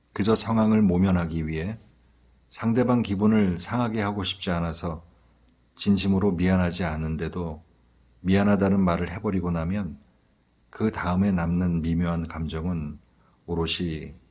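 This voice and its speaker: With long, frequent pauses, a man speaks at a very deep, low pitch and fairly even intonation. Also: moderate pace. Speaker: audiobook narrator. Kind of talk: audiobook reading of an essay. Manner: calm.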